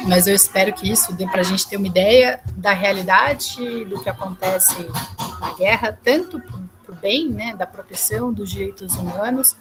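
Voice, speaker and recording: A woman's voice: medium pitch, moderate pace, low-quality recording. A young Brazilian woman gives a conversational academic talk, often restarting and searching for words. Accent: Brazilian Portuguese. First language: Portuguese. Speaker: guest speaker at a law school event.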